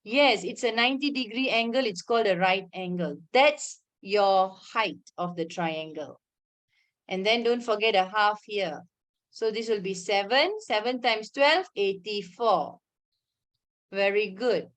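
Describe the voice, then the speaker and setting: A woman's voice: mid-range voice, measured pace, a bit bright. A woman with a Malaysian, Southeast Asian accent teaching an online maths lesson step by step, informally, often checking that pupils follow. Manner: informal, checks understanding with frequent questions and local particles.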